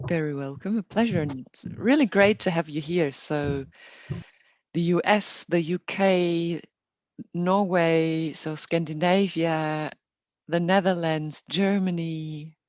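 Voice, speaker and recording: A woman hosting an online meditation session, welcoming people in a gentle, unhurried and reassuring way. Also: lowish voice, no echo, muffled recording. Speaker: meditation host. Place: online group call.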